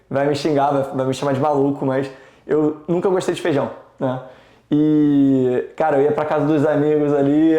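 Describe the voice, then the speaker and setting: Higher-voiced man, echoey room. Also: mellow. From Rio de Janeiro, Brazil. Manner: reflective storyteller, many fillers and restarts. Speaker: podcast guest, startup founder. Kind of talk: casual interview chat.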